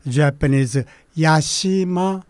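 Slow, hesitant older Korean-accented man. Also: a little high, a little mellow, clear, resonant tone, no echo. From Manchuria. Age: 80s. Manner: slow and hesitant, many pauses and fillers. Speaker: interview guest. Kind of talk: oral history interview.

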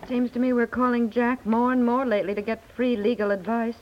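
A woman's voice: a little high, flat delivery, brisk, background noise, natural voice. An actress playing a protective, fretful American wife and mother, earnest and chatty, in a 1950s radio play. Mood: worried. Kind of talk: naturalistic 1950s American radio comedy-drama acting. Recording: muffled 1950s radio recording.

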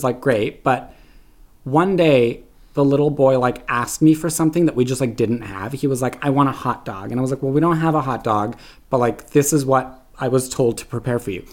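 Young man, from Canada, casual chat, filler-heavy storytelling, mid-pitched voice. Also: darkish tone. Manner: chatty storyteller, constant "like". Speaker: podcast guest.

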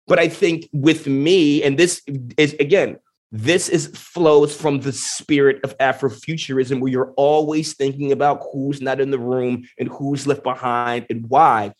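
Emphatic, animated man in conversation. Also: mid-range voice, unhurried. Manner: emphatic and animated, many fillers like "you know" and "right". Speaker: guest. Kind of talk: conversational interview answers.

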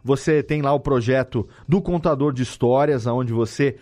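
A man's voice: medium pitch, normal speed, a little mellow. A man with a Brazilian Portuguese accent hosting a casual, chatty podcast interview, informally rephrasing as he goes. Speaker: podcast host.

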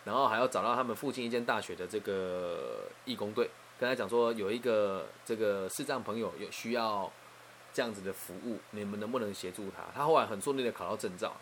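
A man's voice: on the low side, a bit bright, a little hiss or hum. A man, a career counselor, telling a story and quoting both sides of a conversation. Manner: brisk retelling full of quoted dialogue. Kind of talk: storytelling monologue.

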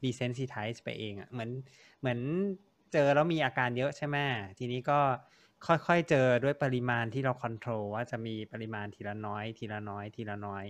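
A man who is a doctor, explaining a medical treatment step by step in a casual podcast chat and slowing down on technical terms. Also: medium pitch.

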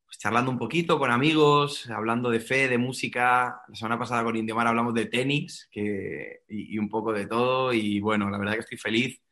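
A man's voice: medium pitch, fairly even intonation, a little fast, pushed and bright. A man from Spain with a Castilian accent hosting a casual interview podcast, chatting in an informal, joking way. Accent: Castilian Spanish, Spain. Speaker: podcast host.

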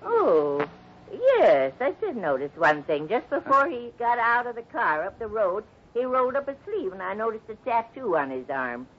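A sassy, unflappable old grandmother, with a high voice that swings widely. She scolds and teases in folksy old slang, in radio serial style, on a muffled old recording. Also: big pitch swings, normal speed, slight background noise. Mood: indignant, chatty. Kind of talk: 1950s radio serial acting.

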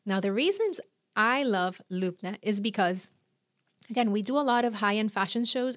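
A woman in her thirties with a Puerto Rican accent, an event planner giving chatty, energetic how-to advice with quick asides. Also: mid-range voice, dry recording, studio quality. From Puerto Rico. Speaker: event planner and podcast host. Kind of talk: instructional talk.

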